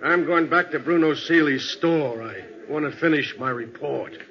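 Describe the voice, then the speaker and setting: Male actor as radio police sergeant, colloquial, eager, slightly high voice, noisy muffled recording. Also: normal speed, natural voice. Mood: puzzled, eager. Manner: folksy, colloquial, repeats himself. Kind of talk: 1940s radio crime drama acting.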